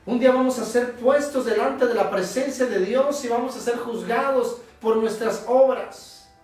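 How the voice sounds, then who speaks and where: A man preaching a sermon as pastor, emphatic and leaning on long pauses. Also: extremely high pitch. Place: church sanctuary. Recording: echoey church, distant mic, soft instrumental music.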